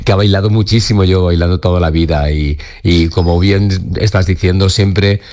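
A man's voice: deep voice, fairly even intonation, normal speed, darkish tone. A man in his fifties, a dancer and company director, talking earnestly in an interview with many restarts and tag questions. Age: 50s. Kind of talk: radio interview.

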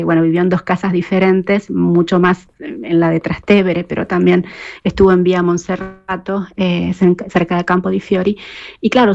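Hesitant woman, lowish voice. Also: darkish tone, lo-fi sound. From Argentina. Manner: hesitant, many fillers and restarts. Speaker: poet and researcher guest. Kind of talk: radio interview answers.

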